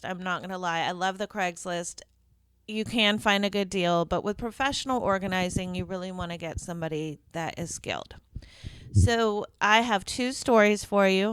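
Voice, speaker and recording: A woman, a professional organizer, hosting her own podcast and telling stories in a conversational, deliberate way with occasional fillers. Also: mid-range voice, fairly bright tone, clear, resonant tone, dry recording. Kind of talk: solo podcast storytelling.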